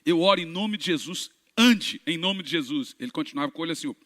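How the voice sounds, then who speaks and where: Animated preacher in a big hall. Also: male voice, on the high side, fast talker. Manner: animated storytelling, shouting at peaks. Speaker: pastor. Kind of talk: sermon testimony. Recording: reverberant church hall.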